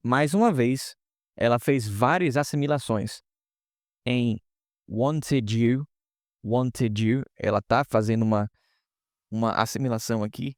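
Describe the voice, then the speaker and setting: A man's voice: mid-range voice, measured pace, long pauses, dry recording, studio quality. A man teaching English pronunciation in a casual online lesson, explaining step by step and often checking in with students.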